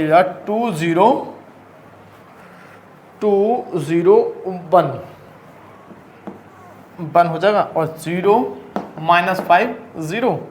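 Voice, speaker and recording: A man's voice: on the high side, a little hiss or hum. A man teaching math at a board, explaining each step and asking the class rhetorical questions in a casual, chatty way. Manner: casual and chatty, calls students brother. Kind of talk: blackboard lecture. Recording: echoey room.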